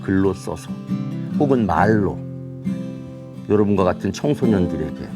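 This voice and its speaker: A middle-aged man speaking as an author to young students, telling a story in an animated way and asking rhetorical questions. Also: sits low, moderate pace, over loud music. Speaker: children's author giving a talk. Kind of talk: motivational lecture to students.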